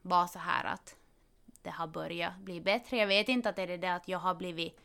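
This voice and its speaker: A woman, a parent expecting her fourth child, chatting casually and telling stories with quick, animated asides. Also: on the low side, creaky. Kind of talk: casual podcast conversation.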